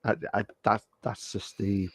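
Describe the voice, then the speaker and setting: A man's voice: on the low side, level tone, measured pace, dry recording. A man co-hosting a casual gaming podcast, joking sarcastically and sometimes slipping into silly mock voices. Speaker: podcast co-host.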